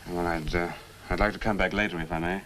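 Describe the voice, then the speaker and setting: A man's voice: sits low, fairly even intonation, quick pace, a bit bright. An actor playing an earnest, polite and hesitant young man in a 1960s horror film. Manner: hesitant, courteous, skeptical. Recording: noisy old film soundtrack.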